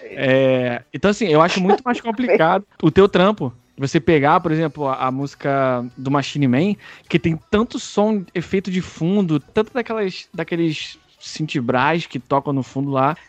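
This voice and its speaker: A man's voice: a little high, lively intonation, moderate pace, few pauses, no room sound, dull audio. A man with a Brazilian Portuguese accent chatting casually on a podcast, slangy and emphatic. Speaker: podcast panelist, musician. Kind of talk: casual chat.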